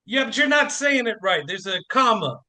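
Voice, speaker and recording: Man playing a very high, tense, desperate jilted guy. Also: big pitch swings, normal speed, sharp tone, full character voice. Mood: indignant. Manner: agitated, stammering, self-pitying. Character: volatile, desperate jilted man, ex-chorus performer turned hostage-taker. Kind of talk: comic radio play acting.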